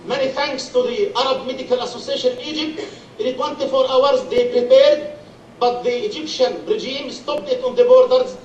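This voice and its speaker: A man's voice: extremely high pitch, moderate pace, a little mellow, dull audio, slight background noise. A man from Gaza with a Palestinian Arabic accent, giving an earnest public speech and listing his points by number. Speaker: charity speaker. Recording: echoey hall, distant mic.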